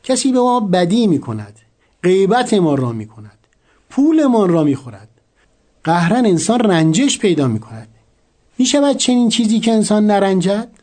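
An earnest cleric in a radio drama, his high voice rising and falling in lively swoops. He reasons things through aloud and presses his questions. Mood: earnest, questioning. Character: earnest male cleric seeking moral advice.

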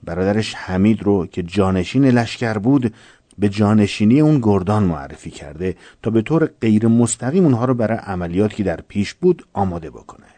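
Male narrator, scripted narration, low dark voice, steady, dry sound. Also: no echo.

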